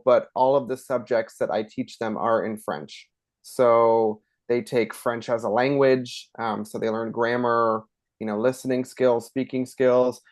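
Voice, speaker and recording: A man in his thirties from Canada, a schoolteacher talking as a podcast guest in a relaxed, chatty way with many ums. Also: mid-range voice. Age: 30s. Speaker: guest, elementary school teacher. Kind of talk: casual interview talk.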